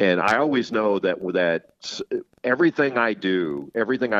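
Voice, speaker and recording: This man talks with lively intonation. He has an American accent. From Los Angeles, US West Coast. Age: 50s. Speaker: basketball color commentator. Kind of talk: interview. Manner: halting, frequent fillers and repetitions.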